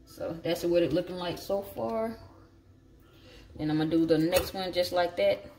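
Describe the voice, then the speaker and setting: Warm and fairly low-pitched, she talks at a normal speed in the Southern African American English of the southern US. Standing at the counter in her home kitchen, this home cook thinks aloud in a folksy, salty way for a casual cooking vlog. Clicks and noise mark the home recording.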